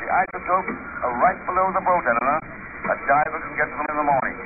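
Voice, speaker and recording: A man playing a steady, self-assured investigator hero in old-time radio drama, firm and unflustered. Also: on the high side, fast, lightly acted. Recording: tinny, noisy old radio recording.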